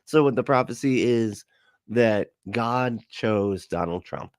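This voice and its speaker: A man's voice: lowish voice, slow pace, no echo, studio quality. A man giving casual, sarcastic commentary on a clip, laughing often. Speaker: host.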